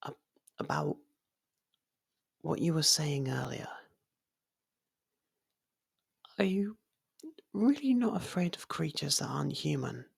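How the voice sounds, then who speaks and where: A performer voicing a gentle, lovestruck faerie in an intimate ASMR roleplay, breathy and half-whispered, speaking in a hesitant, halting way. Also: medium pitch, expressive, heavily acted. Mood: shy, uncertain. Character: soft-spoken, lovestruck young faerie royal, shy, possessive.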